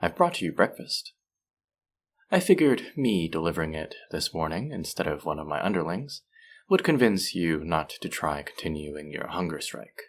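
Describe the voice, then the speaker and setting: Man playing a low-voiced manipulative supervillain captor. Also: big pitch swings, heavily acted. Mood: smug, coaxing. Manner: measured, condescending, coaxing. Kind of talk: scripted roleplay audio drama.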